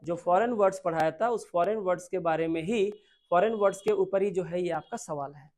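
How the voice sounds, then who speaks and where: A man with an Indian accent and a high-pitched, darkish voice teaches grammar for an exam. He repeats key points, questions his students, and reads English sentences aloud slowly, word by word.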